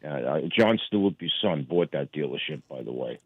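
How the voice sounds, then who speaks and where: A man with a very low voice calls in and rambles through a story, stopping and restarting often. His voice comes through a tinny telephone line. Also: expressive, moderate pace, breathy edge, no room sound. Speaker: caller. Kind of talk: phone-in chat.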